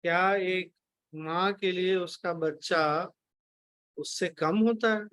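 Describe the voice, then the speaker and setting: A man's voice: high-pitched, takes it slowly, fairly bright tone, smooth, no room sound. A man giving a spiritual discourse and answering questions, speaking firmly and lecturing, cutting off objections. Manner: firm, lecturing, cuts off objections. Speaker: spiritual teacher.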